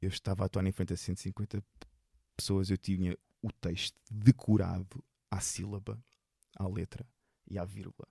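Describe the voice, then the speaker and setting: A man's voice: low voice, little pitch movement, normal speed, vocal fry, warm tone, breathy edge, no room sound, studio quality. A man with a European Portuguese accent who stutters. He repeats and blocks on words while animatedly telling stories about his stand-up shows in an interview. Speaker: stand-up comedian guest. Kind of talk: casual storytelling in an interview.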